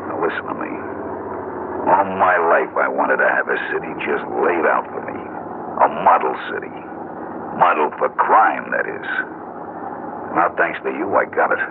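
A man's voice: rumbling low, normal speed, creaky, long pauses. An actor playing a scheming, tough male gangster with blunt, ungrammatical street talk in a 1960s radio drama. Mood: menacing. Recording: tinny, hissy old radio broadcast.

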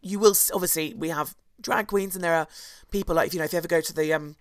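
A hoarse woman, co-hosting a podcast and chattily telling a history story, with asides and restarts. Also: sits low, steady tone, fast, no room sound, studio quality. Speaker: podcast co-host. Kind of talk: casual chat, storytelling history.

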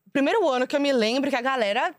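Brazilian female host, higher-pitched, informal gossip-show talk, very dry studio-like sound. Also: animated, racing, no room sound. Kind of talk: casual gossip chat.

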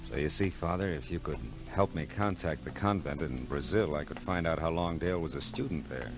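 Tough dry american private eye in old radio show, deep voice, music behind. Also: male voice, fairly quick. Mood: earnest. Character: hard-boiled, world-weary male private detective, dry and terse. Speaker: lead and narrator. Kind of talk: 1940s hard-boiled radio acting, narration and dialogue. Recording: old radio drama recording.

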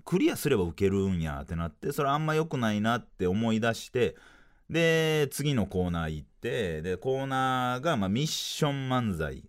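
This man speaks with a Kansai accent and tells his story as an easygoing podcast monologue. His pitch swoops high and low all the time, which makes him sound animated. His voice sits at an ordinary male middle pitch. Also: normal speed, smooth. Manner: animated, sing-song delivery with swooping pitch. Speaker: podcast host, comedian.

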